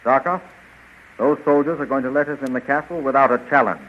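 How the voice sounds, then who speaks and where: An actor playing a confident, decisive young adventure hero in an earnest 1930s radio serial. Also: male voice, mid-range voice, fast, natural voice. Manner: earnest, declamatory. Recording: muffled, hissy 1935 radio recording.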